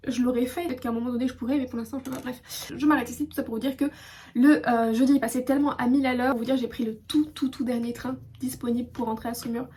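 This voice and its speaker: A woman's voice: high-pitched, warm tone, a little hiss or hum. A woman from France chatting casually to her phone camera in a hotel room, rambling with many fillers and restarts. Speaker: vlogger. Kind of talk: casual vlog chat to camera.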